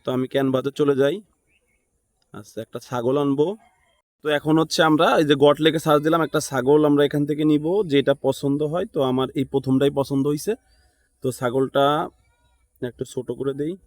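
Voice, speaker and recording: A man with a Bangladeshi accent talks through a tutorial step by step in a mid-range voice. He is casual and unscripted, thinking out loud as he works and often tacking on a short question to check in. The sound is dry, with little room echo. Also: mid-range voice, little pitch movement, a little fast. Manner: thinks aloud, often seeks agreement with short tag questions. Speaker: tutorial instructor.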